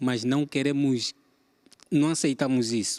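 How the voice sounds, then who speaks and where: A man with an Angolan accent speaks at medium pitch in a monotone, flat intonation and a fairly slow pace. The recording is very clean with a silent background, dry and close with no echo. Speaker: audience participant. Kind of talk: group discussion.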